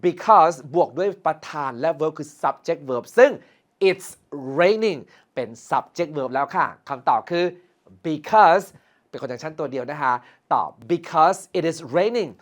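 Lively Thai woman teaching English grammar. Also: deep voice, takes it slowly. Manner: lively, explains patiently, addresses students directly. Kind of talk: grammar lesson.

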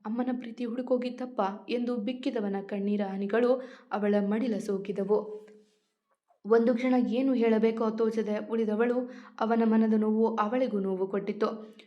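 A woman reading aloud a romance story she wrote, narrating in a gentle, even way. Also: on the high side, normal speed. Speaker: storyteller and author. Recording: muffled lo-fi recording.

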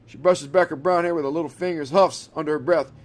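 A man narrating a horror story, dramatic and slowing down for the dark passages. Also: on the high side. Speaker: audiobook narrator. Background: background music.

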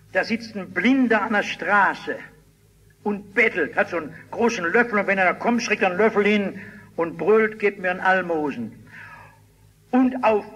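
Older preacher guy, husky high voice, slow and lively, acts out the stories. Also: rough recording. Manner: animated storytelling, shouting out quoted cries. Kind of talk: sermon.

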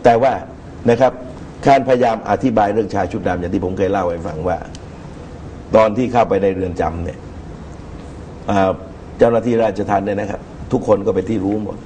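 Low, mellow middle-aged man in political commentary. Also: a little fast, pauses often, slight background noise, low-quality recording. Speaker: political commentator, studio guest. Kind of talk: political talk show commentary. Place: TV studio. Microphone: lapel microphone.

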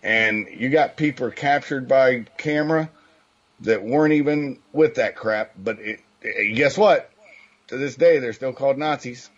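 A man's voice: mid-range voice, a little slow. A man who is a guest on a political talk show, speaking bluntly and in a matter-of-fact way. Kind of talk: political talk radio chat. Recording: dull lo-fi line.

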